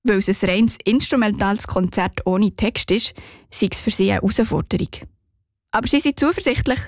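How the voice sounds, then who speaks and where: A woman with a Swiss German accent narrating a scripted radio feature as a reporter, in a relaxed, storytelling way. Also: mid-range voice, moderate pace, dry recording, studio quality.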